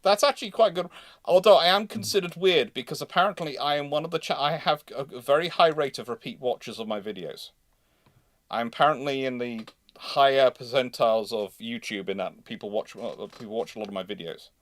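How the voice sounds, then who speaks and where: Halting male livestream host, close dry sound. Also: mid-range voice, no room sound. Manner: halting, repeats phrases, self-interrupting. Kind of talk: casual live question-and-answer chat.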